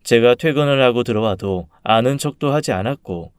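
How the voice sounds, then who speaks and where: A man reading a first-person story aloud in a calm, subdued, even manner. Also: mid-range voice, moderate pace, clean tone, dry recording, clean studio sound. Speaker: story reader.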